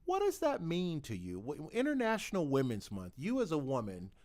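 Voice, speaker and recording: A man's voice: fairly high pitch, wildly swooping pitch, normal speed, a little mellow. A man hosting a talk show, asking questions in a rambling, jokey way. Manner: jokey, rambling, wide-swinging intonation. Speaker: podcast host. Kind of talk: casual interview chat. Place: podcast studio.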